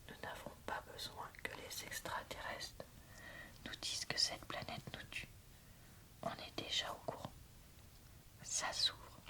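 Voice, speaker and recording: Whispering woman, slow ASMR book reading. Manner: soft, unhurried, deliberate whispering. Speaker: booktuber reading a novel aloud and reviewing it.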